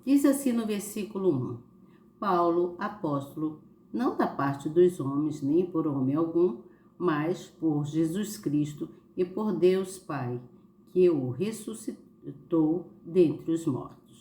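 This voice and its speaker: A woman's voice: low voice, expressive, slow pace, dark tone. A Brazilian woman with a slight cold, teaching a Bible study informally at home, often checking in with her listeners with short tags. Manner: conversational, frequent check-in tags. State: slight cold with occasional cough. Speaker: host of a Bible study channel. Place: living room at home. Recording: roomy echo, faint background noise.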